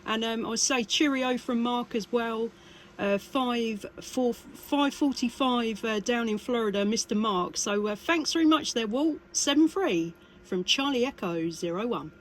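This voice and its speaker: A woman's voice: on the high side, unhurried. A chatty, exclamatory woman operating a CB radio in a two-way chat. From United Kingdom. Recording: radio contact with faint static.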